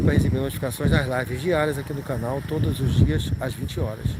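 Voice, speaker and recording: Noticeable background noise runs under this man's voice. Room echo is audible as he talks. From Rio de Janeiro, Brazil. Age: 60s. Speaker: rideshare driver and livestreamer. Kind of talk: casual live-stream chat. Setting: in a car, outdoors at the end. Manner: relaxed, with frequent fillers.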